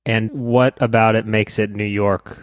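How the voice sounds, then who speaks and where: A man's voice: fairly low pitch, level tone, measured pace, smooth, no echo. Man explaining game rules, dry close mic. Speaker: podcast co-host. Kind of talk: casual board game chat.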